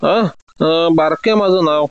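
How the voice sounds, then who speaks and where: A man's voice: high-pitched, moderate pace, no room sound, muffled recording, voice pushed up, natural voice. A man reading a Marathi story, voicing a frightened male suspect who begs and cries as he pleads for mercy. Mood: terrified, pleading. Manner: whimpering, begging.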